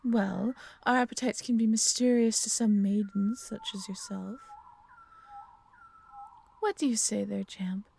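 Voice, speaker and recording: Female dragon guardian, played by a woman: creaky voice, grandiloquent, suave, easily offended, fantasy audio drama. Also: mid-range voice, fairly even intonation, unhurried, long pauses, a little mellow, slight background noise. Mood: suave, teasing. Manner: theatrical, teasing, grandiloquent. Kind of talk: fantasy audio roleplay acting.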